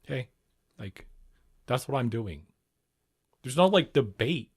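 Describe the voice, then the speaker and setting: A man hosting a political livestream, talking back to his chat. His delivery rambles and argues, with restarts and the odd curse. His voice sits at an ordinary middle pitch. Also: animated, unhurried, breathy edge. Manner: argumentative, rambling, swears. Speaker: livestream host. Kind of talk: casual political livestream commentary.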